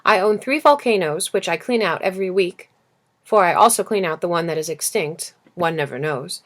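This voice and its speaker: A woman voicing a serious, curious small boy in a storybook, asking simply and thoughtfully with gentle persistence. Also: on the low side, lively intonation, normal speed, close to an everyday voice. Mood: thoughtful, earnest. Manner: earnest questioning, simple and thoughtful. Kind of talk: storybook character reading.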